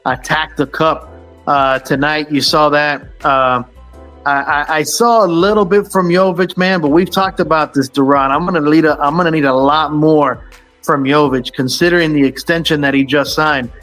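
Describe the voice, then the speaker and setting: A man's voice: a little high, fairly even intonation, normal speed, fairly bright tone, soft background music. Rambling, filler-heavy male sports host. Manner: rambling, many fillers and restarts. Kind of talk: casual sports chat.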